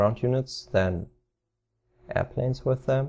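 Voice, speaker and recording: With a non-native accent, a man speaks in a dark, mellow tone at a fairly slow pace with ordinary pitch variation against a quiet background. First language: not English. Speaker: gaming tutorial creator. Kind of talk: game tutorial voice-over. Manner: hesitant, many filler sounds.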